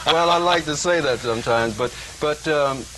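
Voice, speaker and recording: Noticeable background noise behind a man at a moderate pace, with ordinary pitch variation. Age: 40s. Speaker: breatharianism advocate. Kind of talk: TV talk show interview.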